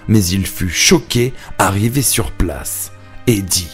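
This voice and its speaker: A man's voice: low-pitched, lively intonation, slow pace, slightly rough. A man narrating a children's cartoon fable as a scripted storyteller. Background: background music.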